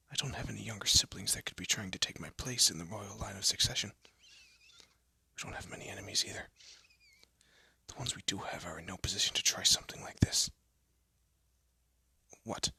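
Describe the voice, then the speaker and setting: Man acting a breathy, haughty young elf prince. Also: on the low side, sharp tone, dry recording, full character voice. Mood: tense, hushed, then dismayed, grave. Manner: pompous, formal, flustered stammering. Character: haughty young male elf prince, prickly but secretly soft. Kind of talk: scripted roleplay audio drama, often whispered.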